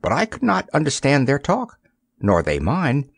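A man's voice: medium pitch, wildly swooping pitch, normal speed, creaky, breathy edge, no room sound, studio quality, pitched above the performer's own voice, heavily acted. A man voicing a proud little boy king who speaks with haughty, gloomy dignity in a storybook reading. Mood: sober. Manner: haughty, solemn.

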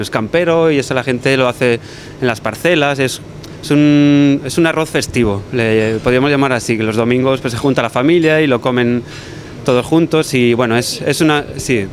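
A young man from Barcelona, a chef, answering interview questions in a restaurant kitchen, talking in a relaxed, thoughtful way with restarts. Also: medium pitch, moderate pace, a little hiss or hum. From Barcelona, Spain. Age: young adult. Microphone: handheld mic held by interviewer.

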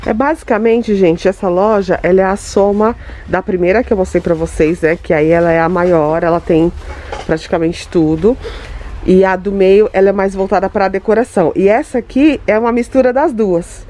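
A woman from Brazil films a tour of a home goods store on her phone, enthusing over every item and talking straight to her viewers. Her voice is mellow and soft-edged. A faint hiss of noise sits behind her. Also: mid-range voice, steady tone, moderate pace. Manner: enthusiastic, gushing over items, chatty asides to viewers. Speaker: home decor vlogger. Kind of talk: store tour vlog, showing products.

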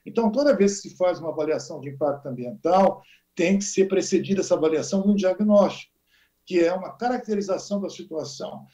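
High-voiced man explaining environmental issues. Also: fast talker, mellow, highs cut off. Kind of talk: explanatory interview.

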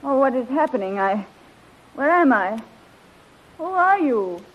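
A woman's voice: high voice, big pitch swings, unhurried, heavily acted. An actress playing an imperious, vain queen in a theatrical 1930s radio style. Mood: dazed, confused. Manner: haughty, commanding, grandly theatrical. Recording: muffled, hissy 1930s radio recording.

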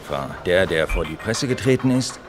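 Tiefer, lebhaft betonender Kommissar. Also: male voice, low voice, expressive, a little fast, over music. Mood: grim. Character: wry male police detective, teasing his partner. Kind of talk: German audio drama acting.

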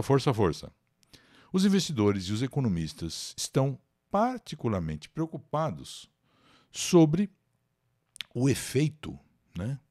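Brazilian guy teaching english live, low voice but super animated, reads then translates for the chat. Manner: talks to viewers and thanks live chat by name; lively, encouraging teacher voice.

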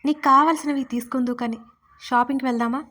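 A woman's voice: sits high, fairly even intonation, quick pace. Woman doing a loving, remorseful young husband. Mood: earnest. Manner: gentle, earnest questioning.

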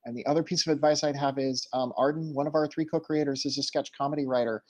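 A man's voice: fairly high pitch, steady tone, quick pace. A man explaining things casually as a panelist on a video call. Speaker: panelist, podcast creator. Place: indoor room, video call.

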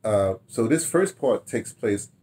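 An older American man speaks in a fairly low voice. He reminisces informally to camera, rambling and halting, often repeating a word before moving on. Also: animated, darkish tone, slightly rough. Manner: rambling, halting delivery, repeating words, checking notes aloud. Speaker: radio drama producer recalling past productions. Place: small book-lined room at home, indoors.

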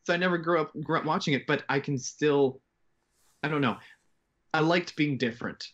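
A man in his twenties from Canada and Japan, talking reflectively and haltingly as a guest in a casual interview. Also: on the high side, fairly bright tone. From grew up in Japan, Canadian. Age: 20s. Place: bedroom at home. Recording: slightly dull, band-limited video call.

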